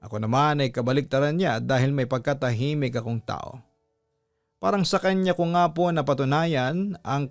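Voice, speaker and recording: A man's voice: medium pitch, dry recording. A man with a Filipino accent hosting a story show, reading out a listener's letter as scripted narration.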